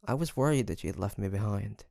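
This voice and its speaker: A man playing a weary, guarded but tender demon hunter in an intimate audio drama, speaking softly and haltingly. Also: lowish voice, expressive, creaky, dry recording. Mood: sad, confiding. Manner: hesitant, halting, sighing, soft-spoken.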